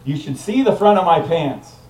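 Pastor putting on a steady airline captain, loud intercom delivery, slightly high voice. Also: male voice, normal speed, roomy sound, distant mic, close to an everyday voice, low-quality recording. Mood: announcing.

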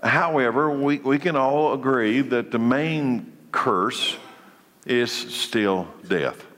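A man's voice: mid-range voice, slow, fairly bright tone, long reverb tail. A congested man leading a church Bible study, preaching in a conversational way that often restarts his phrases. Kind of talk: church teaching session.

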